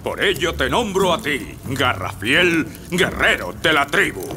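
A man's voice: fairly high pitch, very animated, sharp tone, full character voice. Old tribal wise man, ceremonial, wildly swooping delivery, music behind. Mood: solemn praise. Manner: slow, ceremonial, theatrical. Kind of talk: animated cartoon dub.

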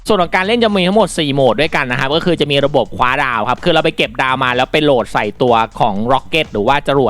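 A man reviewing a mobile shooter in casual commentary, explaining politely and then exclaiming excitedly while he plays. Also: medium pitch.

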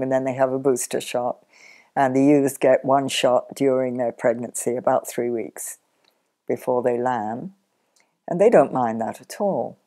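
An older woman sheep farmer, chatty and practical, explaining her farm work step by step in a relaxed interview at home. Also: very deep voice. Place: sunlit living room, in an armchair.

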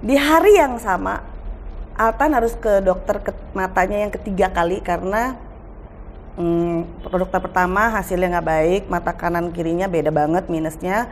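A middle-aged woman chatting on a talk show, telling lively family stories and acting out dialogue. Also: lowish voice, normal speed, slight background noise. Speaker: guest actress. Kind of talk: casual talk show chat.

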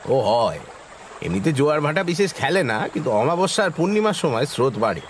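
An actor playing a brisk, dismissive village man in a Bengali horror audio drama. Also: fairly high pitch, big pitch swings, slight background noise. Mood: easygoing. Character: Birja, brisk, easily annoyed village man, narrator's friend.

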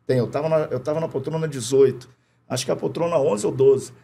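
A middle-aged man from Rio de Janeiro with a Carioca accent, telling animated anecdotes full of slang, swearing and laughter as a podcast guest. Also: on the high side, quick pace, vocal fry, breathy edge. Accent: Carioca Portuguese. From Rio de Janeiro, Brazil. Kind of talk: casual chat, storytelling. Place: podcast studio.

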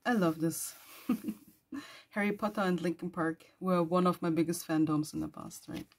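A woman with a hoarse, worn voice who is losing it, chatting casually while flipping through her journal and clearing her throat often. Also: on the low side, steady tone, a little slow. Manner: rambling, chatty with small laughs and throat clearing. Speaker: journal vlogger.

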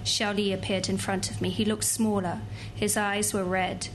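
A young woman reads literary prose aloud in a calm, even voice at a table mic. A faint low rumble sits under the reading at a bookshop event. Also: normal speed. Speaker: translator reading extracts.

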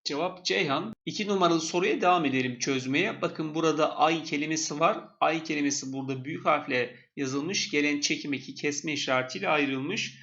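A man's voice: a little high, a little fast, hardly any pauses, fairly bright tone, dull audio. A male teacher walking through exam questions step by step and repeating the key points.

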